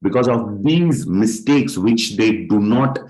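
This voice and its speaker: A man with a South Indian accent gives a motivational training talk as a direct-selling leader, his voice lowish, animated, and darkish in tone at a slow pace. He puts rhetorical questions to his listeners and repeats words for emphasis. The recording is rough.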